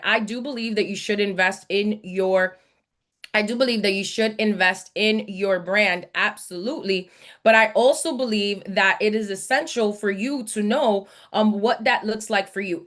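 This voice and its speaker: A woman coach leads a live online business masterclass. She speaks in a motivational, emphatic way, repeating key phrases to drive them home. Her pitch sits in the middle range for a woman. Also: a bit bright. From born in the Dominican Republic, grew up in New York City and South Florida.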